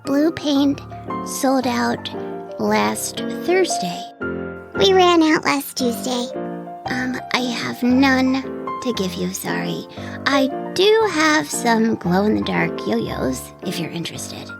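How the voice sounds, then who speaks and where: A woman's voice: sits high, expressive, takes it slowly, vocal fry, pitched above the performer's own voice, full character voice. Woman voicing a swooping, offhand storybook shopkeeper. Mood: apologetic, offhand. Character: apologetic, chatty forest paint shopkeepers. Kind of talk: children's storybook character voice. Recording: music playing behind the voice.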